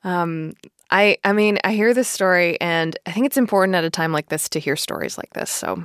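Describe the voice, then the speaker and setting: A woman's voice: lowish voice, fairly quick, a bit bright, clear, resonant tone, no echo, studio quality. An American woman hosting a podcast in a conversational, informal and reflective way. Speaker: podcast host. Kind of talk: conversational radio interviewing.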